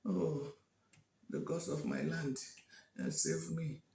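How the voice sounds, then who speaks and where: A man voicing a meek young woman who answers quietly, in a roomy space away from the mic. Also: on the high side, fairly even intonation, slow, creaky, far from the mic, exaggerated voice. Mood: pleading. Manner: quiet, subdued. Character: meek sad young woman hiding her hands.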